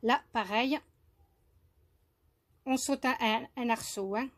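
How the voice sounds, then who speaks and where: Slow, hesitant Frenchwoman teaching crochet. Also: fairly high pitch. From France. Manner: hesitant, many fillers and restarts, counting stitches softly under her breath. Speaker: crochet tutorial host. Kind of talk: hands-on crochet demonstration.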